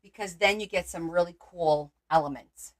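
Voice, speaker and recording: With a lowish voice at a moderate pace, a woman from Portugal chats casually on her crafting livestream. She thinks out loud while working and responds to comments from viewers.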